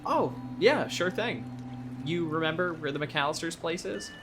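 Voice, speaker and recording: A man's voice: on the high side, animated, measured pace, noisy background. An actor playing a friendly, easygoing young man from an island town in an audio drama, casual and reassuring. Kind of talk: naturalistic audio drama acting.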